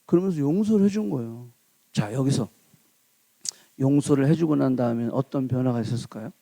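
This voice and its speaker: A man preaching a sermon, telling a folk tale with playful, animated delivery and asking the congregation questions. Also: medium pitch, brisk, vocal fry, no room sound. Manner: animated, playful, acts out characters. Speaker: pastor. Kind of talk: sermon with lively storytelling.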